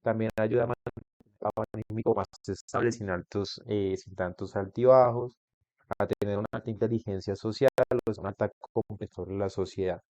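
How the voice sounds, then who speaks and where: A low, mellow-voiced man lecturing in an online class, explaining step by step and stopping to quiz a student. The sound is dry and dull, like a lo-fi call recording. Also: steady tone, fairly quick, no room sound. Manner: explanatory, with restarts and questions to the student. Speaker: instructor.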